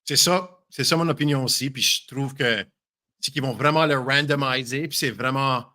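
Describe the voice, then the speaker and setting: Man, podcast guest, bright tone, franglais, hesitant. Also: mid-range voice, moderate pace. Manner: mixes English into French, self-conscious, hesitant. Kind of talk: casual podcast chat.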